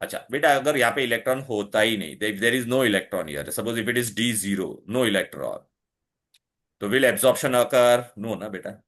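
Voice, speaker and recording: Speaking in a lowish, animated and slightly bright voice, this South Asian-accented man tutors chemistry one-on-one at a rapid clip. He blends Hindi into his English, goes over the main points again and again, and peppers the learner with quick comprehension questions.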